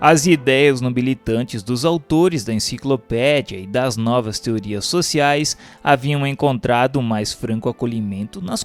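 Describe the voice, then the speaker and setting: A man with a Brazilian accent reading scripted narration in a formal, solemn, declamatory manner. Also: mid-range voice. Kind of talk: scripted audiobook-style narration of a historical religious text. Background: music.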